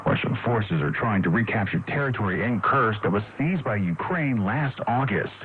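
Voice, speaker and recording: A man with an American accent anchors a scripted radio news bulletin in a formal, measured announcer delivery. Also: fairly low pitch, expressive. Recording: noisy narrowband shortwave radio broadcast.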